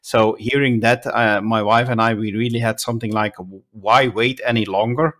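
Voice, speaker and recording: A man in his fifties with a Flemish Dutch accent, a native Dutch speaker talking as a guest in a relaxed interview. He speaks in a measured way and often pauses with "uh" while he searches for words. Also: lowish voice. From Belgium (Flanders). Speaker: guest, bishop. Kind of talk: casual interview conversation.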